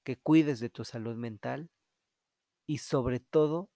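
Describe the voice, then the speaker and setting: A man talks through a solo podcast episode, his voice roughened by a steady vocal fry. He speaks openly and reflectively, in a confessional tone. The recording is dry and close, with no room sound. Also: mid-range voice, slow pace, no echo. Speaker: podcast host.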